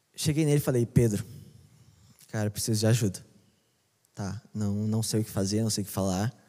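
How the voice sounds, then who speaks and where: Faint music sits in the background. A man speaks over it at a fairly quick pace. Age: 20s. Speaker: youth church worker, preacher; preacher. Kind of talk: sermon. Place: church. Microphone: handheld.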